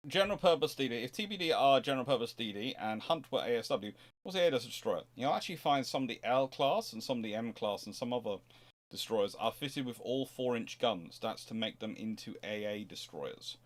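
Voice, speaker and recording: A man with a mid-pitched voice hosts an informal history Q&A stream. He talks conversationally and haltingly, leaning firmly on key words as he explains. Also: expressive. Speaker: host answering viewer questions.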